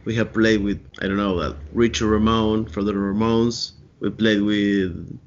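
A man's voice: lowish voice, little pitch movement, unhurried, slight background noise. A man chatting casually as a guest musician in easy banter. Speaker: guest horror punk musician. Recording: dull lo-fi mic.

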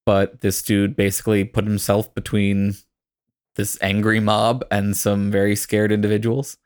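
A man hosting a podcast in casual, reflective talk, choosing his words tentatively in a creaky voice. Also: on the low side, monotone, measured pace, a little mellow. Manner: thoughtful, tentative phrasing. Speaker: podcast host.

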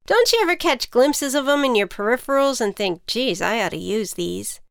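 Small male ant for storybook woman performer: folksy, persuasive pal, bright-eyed encourager, crisp high voice, dry recording. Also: lively intonation, moderate pace, no room sound. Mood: needling. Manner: chummy, coaxing, folksy. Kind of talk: children's storybook character voice.

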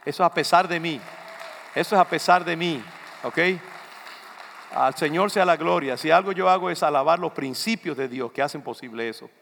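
Preaching a loose, conversational sermon that keeps turning to the congregation, an older Dominican pastor speaks in a Dominican Spanish accent inside a church sanctuary. His fairly high, slightly bright voice has vocal fry and a normal speed. There is some chatter behind him, slight background noise, and the long reverb of a church hall.

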